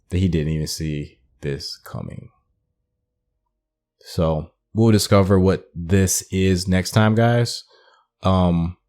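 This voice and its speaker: A man's voice: sits low, a little mellow. A man giving casual playthrough commentary as the host of a gaming video.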